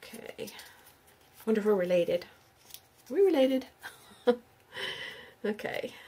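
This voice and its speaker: With a warm, mid-range voice that swings widely in pitch, this middle-aged woman speaks slowly over slight background noise. She's a YouTube crafter running a giveaway, chatting casually to the camera, reading names aloud and putting questions to her viewers.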